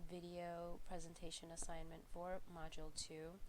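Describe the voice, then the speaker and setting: A young woman giving a class video presentation, sounding congested from a flu and talking in a halting way full of fillers and restarts. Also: lowish voice, little pitch movement, a little hiss or hum, poor audio. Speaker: student presenter.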